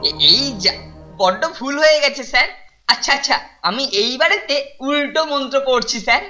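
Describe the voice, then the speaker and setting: High-voiced, pompous bossy schoolboy. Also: female voice, expressive, brisk, bright, forceful tone. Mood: theatrical chanting. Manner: pompous, theatrical phrasing. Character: bossy, boastful older schoolboy dabbling in spells. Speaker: cartoon voice actor. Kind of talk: exaggerated children's cartoon acting. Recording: background music under the voice.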